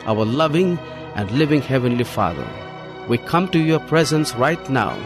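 A man leading a closing prayer, slow, reverent and solemn. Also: medium pitch, big pitch swings. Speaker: co-host. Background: music.

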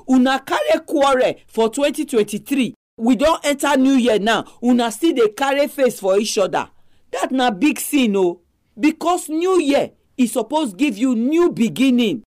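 A woman's voice: on the high side, a little mellow. A woman with a Nigerian accent hosting a Christian family talk program in Nigerian Pidgin, addressing listeners directly. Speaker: radio program host. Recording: music behind the voice. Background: music.

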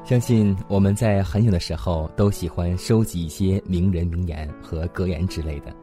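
A man hosting a Christian radio program, calmly reading a devotional text with measured pauses. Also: low-pitched. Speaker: radio host. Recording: faint music behind the voice. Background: soft background music.

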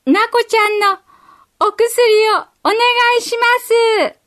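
A woman voicing a brave four-year-old girl in a storybook reading, with a high childlike voice and an earnest way of calling out. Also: slow, a bit bright, exaggerated voice.

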